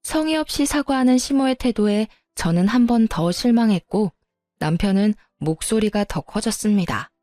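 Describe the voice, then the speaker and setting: A woman narrating a family story in the first person, in an even storytelling manner. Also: medium pitch, moderate pace, dry recording, studio quality, soft background music. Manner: even, storytelling, politely firm in quoted lines.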